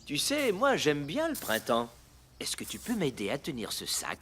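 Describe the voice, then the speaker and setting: A man voicing a kind, patient cartoon dad, gently explaining things and encouraging his young son. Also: fairly high pitch, huge pitch swings, normal speed. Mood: patient, friendly.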